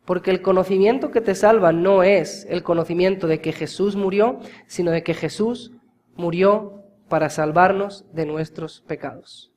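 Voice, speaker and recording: High-voiced impassioned man preaching a sermon. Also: moderate pace. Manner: impassioned preaching, swings from hushed to loud emphasis; addresses the congregation directly as brothers. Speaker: pastor.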